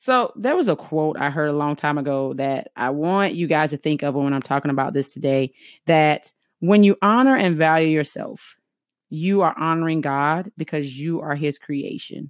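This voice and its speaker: With a strong Southern US accent, a woman speaks in a very deep, low pitch at a moderate pace, with an animated tone and ordinary pitch variation, against a quiet background. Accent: heavy Southern US. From US South. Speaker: podcast host, psychologist. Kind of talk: motivational monologue.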